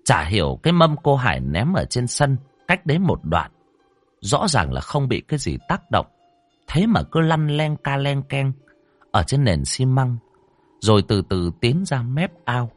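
A man's voice: mid-range voice, big pitch swings, measured pace, no echo, soft background music. A man narrating a ghost story in a suspenseful, dramatic way.

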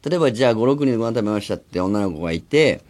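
A man in his forties, a radio host, talking in rambling casual chat with animated acted-out asides, in a studio. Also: on the low side, very fast. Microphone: studio microphone.

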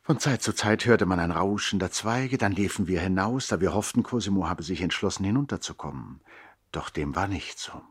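A man acting as a reflective narrator who recalls his boyhood in a measured, literary 1960s radio play style. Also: low-pitched, animated, husky, no echo, clean studio sound. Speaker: narrator and actor.

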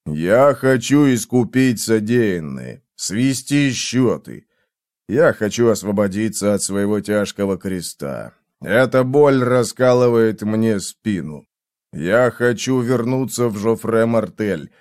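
A man reading an audiobook, voicing a tormented, guilt-ridden man in a low, strained, bitterly ironic voice. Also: animated, slow, darkish tone, dry recording, clean studio sound. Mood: anguished.

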